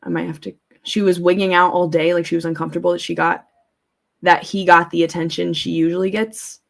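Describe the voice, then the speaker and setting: On her livestream, a blunt woman chats in a lowish, flat, creaky voice at a fairly quick clip. The host is informal and swears freely, rambling and thinking aloud as she provides commentary and reads out viewer comments.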